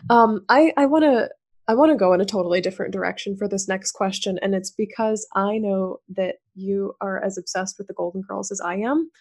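A woman's voice: medium pitch, brisk, darkish tone. A woman from the American South interviewing a guest, bubbly and enthusiastic, with frequent giggles. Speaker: podcast interviewer. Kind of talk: conversational interview.

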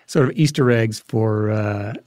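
A man's voice: fairly low pitch, unhurried, darkish tone, no room sound, studio quality. A man speaking as an interview guest, giving conversational answers about his work.

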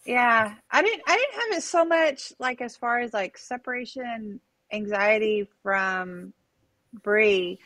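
Slow, hesitant woman podcast guest. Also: on the high side, fairly bright tone, no echo. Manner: hesitant, lots of fillers and restarts. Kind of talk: candid conversational storytelling.

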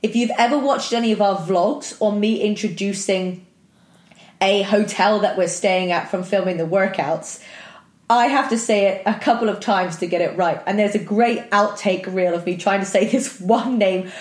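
A young woman with a husky, worn voice, hosting a chatty, upbeat motivational podcast. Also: mid-range voice, normal speed. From Britain. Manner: chatty, upbeat, self-deprecating. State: husky from a tired voice, coughing. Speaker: podcast host. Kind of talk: casual motivational podcast monologue. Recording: echoey room.

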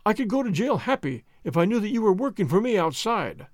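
Male reader doing a frantic young solicitor, pitched up, breathless, begging. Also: sing-song, a little fast, no room sound, studio quality. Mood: frantic pleading. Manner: breathless, pleading, urgent.

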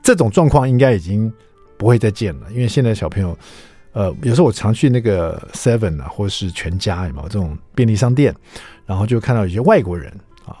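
Chatty radio host. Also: male voice, on the low side, lively intonation, brisk, dark tone, soft background music. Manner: chatty storyteller who drops English words into his speech. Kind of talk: casual radio chat, telling anecdotes. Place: radio studio.

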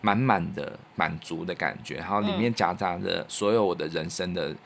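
A man speaks in a fairly low voice with a Taiwanese Mandarin accent. He sounds like a podcast co-host and radio producer thinking aloud in casual conversation. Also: normal speed, gravelly, fairly bright tone, slight background noise. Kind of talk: casual reflective chat.

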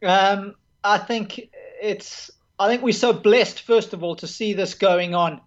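South African man, dull lo-fi sound. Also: high voice. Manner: earnest, measured, lists points methodically. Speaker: tennis broadcaster and former player, guest. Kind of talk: relaxed interview conversation.

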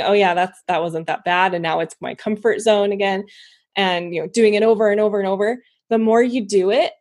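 A woman's voice: mid-range voice, a little mellow. A woman hosting a podcast, talking reflectively with frequent fillers. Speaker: podcast host. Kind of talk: casual interview chat.

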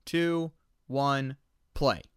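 A man's voice: medium pitch, extremely slow, very noisy. A man hosting a podcast, chatting casually with amused, emphatic commentary. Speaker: podcast host. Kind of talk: casual chat with enthusiastic commentary.

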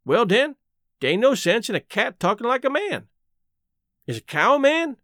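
A man's voice: very high-pitched, sing-song, moderate pace, fairly bright tone, no echo, clean studio sound, voice pushed up, full character voice. A man voicing a stubborn, indignant, unschooled Southern American man with folksy dialect in an audiobook. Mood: stubborn, argumentative. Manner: folksy dialect, emphatic argumentative questioning. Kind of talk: audiobook character voice.

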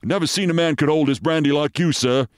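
A man's voice: fairly high pitch, a little fast, clear, resonant tone, dry recording, studio quality, pitched above the performer's own voice, close to an everyday voice. A man playing an anxious, deferential army sergeant in a war story, speaking urgently.

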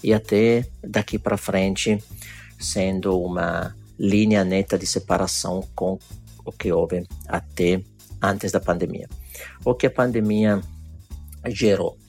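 Low-voiced man with an Italian accent. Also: steady tone, darkish tone, faint music behind. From Italy. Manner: formal, measured phrasing. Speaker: guest, audiovisual producer. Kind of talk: prepared spoken commentary in Portuguese.

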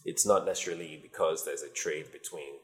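Man, from Nigeria, company founder, very deep voice, thoughtful interview answers. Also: steady tone, fairly bright tone. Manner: measured, thoughtful, many ums.

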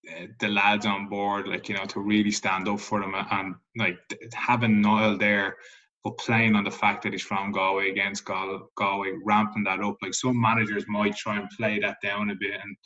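Irish man, interviewer, lowish pitch, slightly dull call audio, conversational, loosely built questions. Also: level tone, moderate pace, bright, forceful tone. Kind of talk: casual sports interview.

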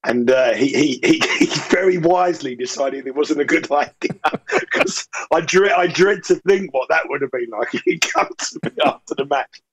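Man, from England, hoarse, croaky, casual chat, laughing, halting. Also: a little high, fairly bright tone, poor audio. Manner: chatty, laughing, halting restarts. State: hoarse, lost voice. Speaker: soccer guest.

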